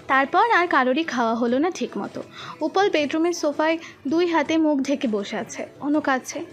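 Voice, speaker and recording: A woman narrating a romantic audio story with steady, expressive storytelling. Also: high voice, normal speed, soft background music.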